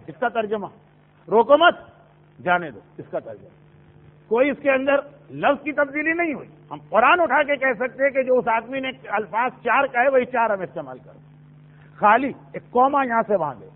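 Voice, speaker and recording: A man preaching a sermon, telling a story and acting out quoted lines with dramatic pauses. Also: extremely high pitch. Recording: tinny phone-like sound.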